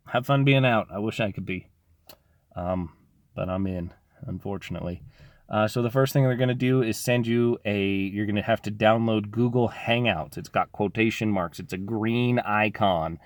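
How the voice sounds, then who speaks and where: A man's voice: on the low side, dry recording, studio quality. A locksmith talking casually to his viewers, rambling with lots of fillers, tired and losing his voice from getting sick. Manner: rambling, informal, frequent fillers. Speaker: locksmith sharing business advice. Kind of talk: casual talk to camera.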